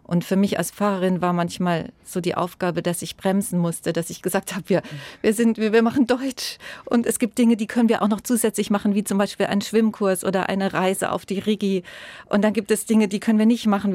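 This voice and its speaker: A woman pastor, speaking in a thoughtful, measured way in an interview and growing animated when she stresses a point. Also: mid-range voice, dry recording. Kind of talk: interview conversation.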